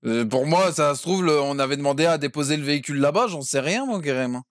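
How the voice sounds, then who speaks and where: A man's voice: on the high side, lively intonation, quick pace, no echo, studio quality. A man playing a defendant in a roleplay court, cheeky and crude, with "carrément" over and over. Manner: cheeky, vulgar, keeps saying "carrément".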